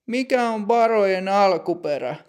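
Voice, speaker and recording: A man's voice: sits high, expressive, clear, resonant tone, pitched above the performer's own voice. Man putting on a strict older woman bank clerk. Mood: stern. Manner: slow, precise, formal.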